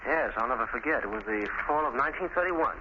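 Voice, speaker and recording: An actor playing an earnest, emphatic medical examiner in a 1930s radio drama. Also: male voice, mid-range voice, expressive, fast, natural voice. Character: earnest male medical examiner assisting police. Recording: muffled, noisy 1930s radio recording.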